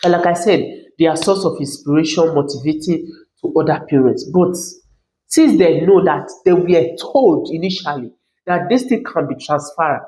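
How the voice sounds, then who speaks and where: A woman's voice: sits low, moderate pace, dark tone, roomy sound, low-quality recording. A woman with a Nigerian accent giving her opinion as a commentary channel host, emphatic and often asking "you understand?". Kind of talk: reaction commentary monologue.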